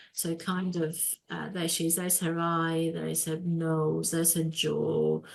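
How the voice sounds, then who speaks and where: Someone speaks at a fairly slow pace with audible room echo. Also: woman. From Greece. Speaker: psychology professor. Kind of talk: webinar lecture.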